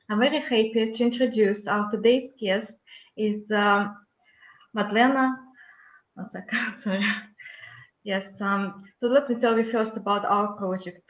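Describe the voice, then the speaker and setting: Hesitant woman co-host, roomy muffled audio. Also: mid-range voice. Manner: hesitant, stumbling, with fillers. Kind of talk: interview introduction. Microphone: video call.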